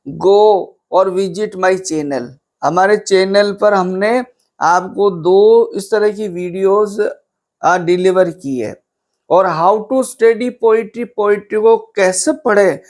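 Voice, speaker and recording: An Indian male English teacher giving a lecture, explaining step by step, asking his own questions and answering them, and slowing down on English phrases. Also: high voice. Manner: slows right down on English phrases, mixing Hindi and English. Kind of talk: classroom lecture on a poem.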